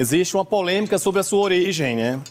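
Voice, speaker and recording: Speaking in a Pernambuco accent, a man has a high pitch and ordinary pitch variation at a fairly slow pace. Noticeable background noise runs underneath. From Brazil, Pernambuco. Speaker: chef. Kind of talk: cooking tutorial.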